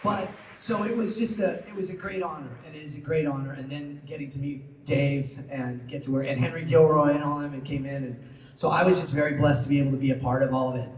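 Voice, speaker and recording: A man's voice: fairly high pitch, steady tone, quick pace. A man on a convention panel telling playful anecdotes into a handheld mic, slipping into character voices. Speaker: voice actor panelist. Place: large convention hall. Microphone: handheld mic, filmed from the audience over the PA. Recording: echoey hall from far off with noise.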